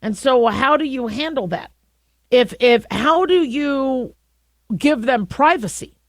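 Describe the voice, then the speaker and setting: A middle-aged woman with a deep voice hosting a talk radio show, talking through her views in a conversational way with frequent restarts. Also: animated, no room sound. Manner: conversational, halting with many restarts. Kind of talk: opinionated talk radio monologue.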